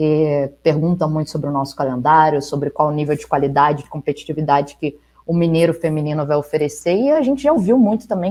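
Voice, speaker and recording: Speaking very fast with hardly any pauses, a woman with a Rio de Janeiro accent has a fairly low pitch, a dark, mellow tone, and lively intonation. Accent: Rio de Janeiro (carioca). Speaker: women's football club director. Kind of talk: interview.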